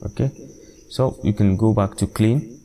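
A man narrating an unscripted software tutorial step by step, with hesitant, repetitive explanations. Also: lowish voice, a little slow, slight background noise. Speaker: tutorial presenter.

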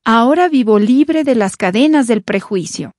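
A woman from South Africa speaks in a mellow, slightly high voice with a sincere, measured delivery. She is recorded close and dry. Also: expressive, no room sound. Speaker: testimony speaker. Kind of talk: read personal testimony.

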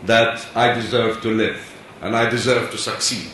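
On a panel in a big conference hall, a Palestinian man in his seventies delivers an earnest personal speech, pressing his points insistently. His voice sits on the low side, sharp in tone, at an ordinary pace. Recorded from a distant mic, the audio is echoey with a faint hiss.

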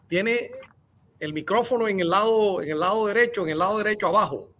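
A man's voice: high-pitched, brisk, fairly bright tone. A man on a video call panel, insistent and repeating his points. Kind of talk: casual talk show banter.

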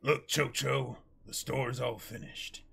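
A man's voice: mid-range voice, level tone, slow pace, creaky, a bit bright, slightly rough. A man in his twenties giving an amateur dramatic reading of manga lines. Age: 20s.

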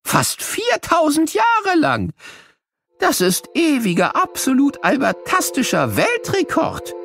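A man voicing an excitable, quirky old cartoon professor in a children's audio play, exclaiming playfully and drawing out words. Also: very high voice, gravelly, soft background music, full character voice. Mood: enthusiastic. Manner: playful, exclaiming, drawn-out words, invents silly words.

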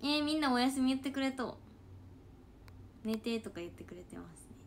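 Speaking in a high, animated voice at a slightly fast clip, a Kansai-accented idol trainee reads comments on her late-night livestream. She's loose, giggly and rambling, yet sounds sleepy, with slight background noise behind her.

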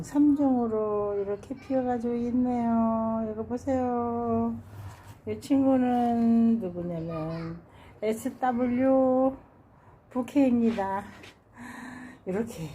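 A woman strolls through her balcony garden, naming each geranium slowly and sighing over how pretty they are. Her voice sits a little high but sounds mellow, and she talks at a very unhurried pace. A faint hiss of background noise runs under the phone recording. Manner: slow, fond, repeats flower names and sighs of delight. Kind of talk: casual garden tour narration. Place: home balcony with plants.

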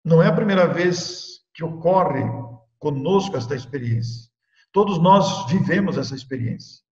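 A man's voice: on the high side, expressive. Older Brazilian man lecturing in an echoey room. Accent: Brazilian Portuguese. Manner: measured, emphatic phrasing with dramatic pauses. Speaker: spiritist lecturer. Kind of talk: devotional lecture. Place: indoor room at home. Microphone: laptop webcam, video call framing. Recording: echoey room, long reverb, dull lo-fi sound.

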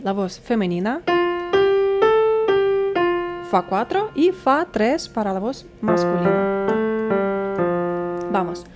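A woman singing teacher giving a vocal lesson, calmly coaching and demonstrating exercises. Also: medium pitch. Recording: piano playing behind the voice. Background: loud piano.

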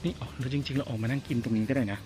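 A man's voice: mid-range voice, steady tone, racing, over music. A man vlogging casually while walking outdoors, chatty and exclaiming as he talks to his viewers. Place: outdoors on a street and in a garden cafe.

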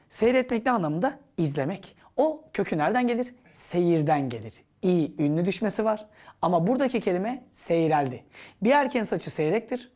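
A woman teaches an exam-prep grammar lesson with a very lively, swooping voice that rises and falls constantly. She poses questions to herself and answers them, mixing instruction with playful classroom banter. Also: on the low side.

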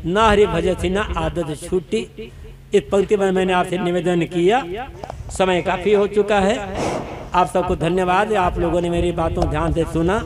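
A man giving a devotional sermon, earnest and repeating key phrases for emphasis. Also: sits high. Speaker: spiritual teacher giving a discourse. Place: religious assembly.

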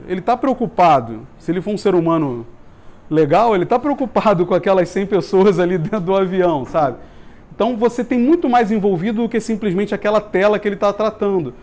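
Brazilian man, thirties, fairly high voice, informal joking tech talk, small office room, distant camera. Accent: Brazilian Portuguese. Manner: informal, jokey, swears casually, lively hand gestures. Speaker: meetup speaker on UX. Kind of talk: casual conference talk. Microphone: far camera.

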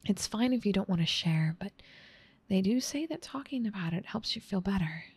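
A woman voicing a gentle, caring big sister in an ASMR roleplay, soft and slightly scratchy, tender and soothing, often whispering. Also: medium pitch, expressive, moderate pace, breathy edge, dry recording. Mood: gentle concern.

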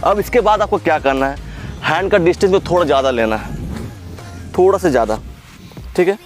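Casting: young male fitness coach, fairly high voice, brisk rep-counting commands, faint music underneath. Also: lively intonation. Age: young adult. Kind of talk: workout instruction. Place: open grass field by a lake, outdoors.

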